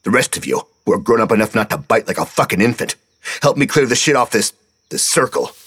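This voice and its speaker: A man voicing a crude, foul-mouthed older scout leader with a gruff, low voice. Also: lively intonation, fairly quick, a bit bright, a little hiss or hum, lightly acted.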